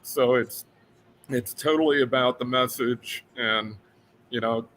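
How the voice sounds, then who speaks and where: A man's voice: mid-range voice, steady tone, slow pace, a bit bright, a little hiss or hum, low-quality recording. An older man from Florida, a guest on a talk show, speaking earnestly and unhurriedly with frequent fillers. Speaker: guest author. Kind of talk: casual interview chat.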